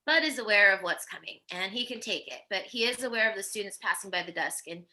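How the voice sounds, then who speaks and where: A woman's voice: medium pitch, animated, fast talker, sharp tone, rough recording. A woman narrating the stage directions of a screenplay at a table read.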